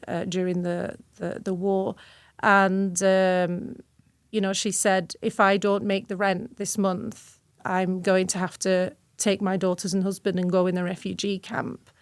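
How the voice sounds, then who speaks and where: Woman, earnest guest, reflective, mid-pitched, dry close sound. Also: clear, resonant tone, no room sound. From Syria. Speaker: guest researcher. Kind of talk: podcast interview.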